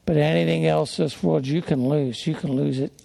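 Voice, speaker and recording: A middle-aged man preaches in a soft, folksy, rambling way, as if chatting with his flock. His voice sits high for a man and is heavily gravelly with constant fry. The recording is close and dry. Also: fairly even intonation, fairly quick, no echo. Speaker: pastor. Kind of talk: conversational sermon with personal stories.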